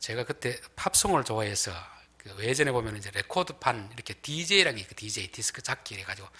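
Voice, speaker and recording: A man talks very fast in a Gyeongsang accent. His tone is bright and sharp, his intonation lively. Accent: Gyeongsang dialect, can't lose it. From Gyeongsang region, South Korea. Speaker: pastor. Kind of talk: sermon.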